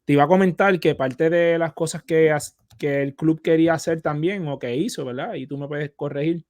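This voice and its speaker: A man's voice: a little high, normal speed, darkish tone, dry recording, studio quality. A man hosting a casual conversation, often jumping in with affirmations. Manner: affirming, eager interjections. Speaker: host.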